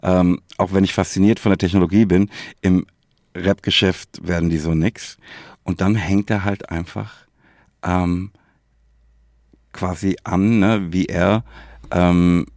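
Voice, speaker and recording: A man's voice: low voice, flat delivery, unhurried, long pauses, a little mellow, no echo, clean studio sound. A man chatting casually as a podcast co-host, laid-back and colloquial, often tagging phrases with a questioning filler.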